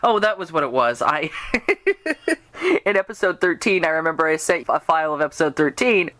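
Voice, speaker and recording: A woman hosting a podcast, chatting casually in a rambling, giggly way that gets animated when she quotes people. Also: low-pitched, moderate pace, no room sound. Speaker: podcast host interviewing a guest. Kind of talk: casual chat about fan fiction and radio drama.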